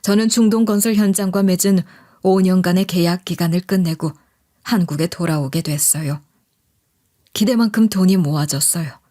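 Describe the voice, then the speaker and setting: A woman's voice: fairly low pitch, normal speed, mellow. A woman reading a scripted first-person life story as a narrator.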